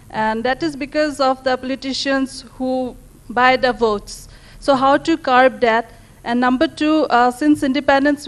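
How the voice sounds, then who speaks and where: Polite, high-voiced woman asking a question. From Assam, India. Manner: polite and hesitant, frequent "uh" fillers, addresses the speaker as sir. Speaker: research scholar asking a question. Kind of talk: audience question at a lecture.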